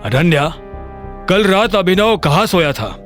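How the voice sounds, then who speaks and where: A man's voice: sits high, big pitch swings, a little slow, a bit bright, faint music behind, exaggerated voice. A man voicing a domineering older patriarch with a heavy voice, curt and commanding. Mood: questioning.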